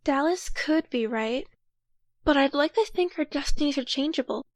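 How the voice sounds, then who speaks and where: A woman's voice: high-pitched, expressive, moderate pace, no echo, clean studio sound. A woman playing an earnest, cautious young time traveler who takes charge and explains things carefully in an audio drama. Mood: serious, warning.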